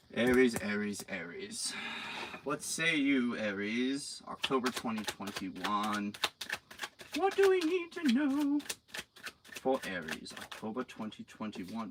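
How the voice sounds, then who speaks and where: Pausing often and at length, a man talks fairly slowly while noticeable noise runs in the background. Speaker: tarot reader. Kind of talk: live stream tarot reading. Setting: live stream. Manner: talking loudly.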